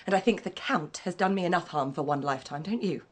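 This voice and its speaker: An actress playing a proud, wronged baroness who speaks in a haughty, clipped way in a radio drama. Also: female voice, lowish voice, quick pace, a little hiss or hum, close to an everyday voice.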